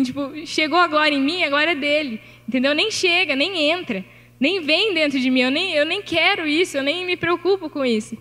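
A woman's voice: high voice, pushed and bright, long reverb tail. A woman pastor with a Brazilian Portuguese accent, preaching a sermon in a chatty, conversational way, often checking in with her listeners and laughing.

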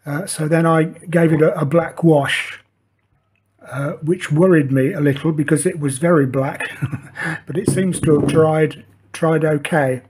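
A man's voice: fairly high pitch, a little slow, darkish tone, slight background noise. An older man who explains a model-making build in a casual, hesitant way, with many fillers and restarts. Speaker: model maker demonstrating. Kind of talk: hobby tutorial, casual talk while working. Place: indoor workshop table.

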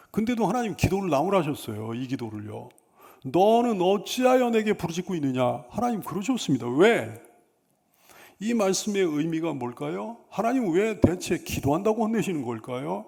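A man's voice: sits high, gravelly, darkish tone. A middle-aged male pastor preaching a sermon with rising, emphatic rhetorical questions, in a church sanctuary. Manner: sings a hymn slowly, then preaches with rising emphatic questions. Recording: church sanctuary with long reverb.

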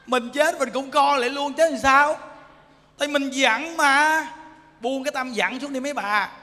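A man giving an animated sermon as a Buddhist monk, teasing the audience and often asking them if they understand. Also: extremely high pitch, moderate pace. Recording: echoey hall.

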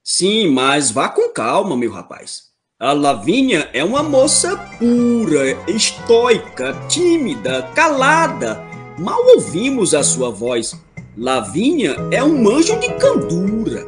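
A man's voice: high-pitched, wildly swooping pitch, takes it slowly, full character voice. A Brazilian man playing a pompous, stately king and father in a comedic audio drama. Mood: pleased, solemn. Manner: stately, grandiose. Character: pompous aging king, eager father of the bride. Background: music.

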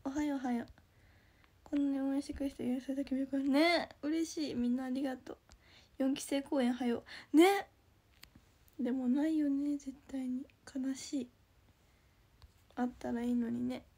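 Young woman, high bright voice, chirpy casual livestream chat, sleepless, phone mic. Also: fairly even intonation, normal speed, long pauses. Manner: chirpy, thanks viewers often, drops into soft whispers. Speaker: idol trainee livestreamer. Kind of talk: casual livestream chat reading viewer comments. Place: indoors at home.

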